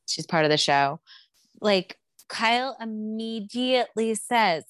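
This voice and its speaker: A woman's voice: mid-range voice, expressive, slow, a bit bright, no echo. A young woman co-hosting a podcast, chatting casually and opinionated, with lots of "like". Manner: chatty, opinionated, heavy use of "like". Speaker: podcast co-host. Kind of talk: casual chat.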